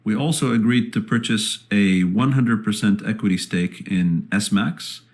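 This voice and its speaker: A man with a lowish, darkish voice plays a company executive. He reads a scripted earnings presentation in a formal, measured way.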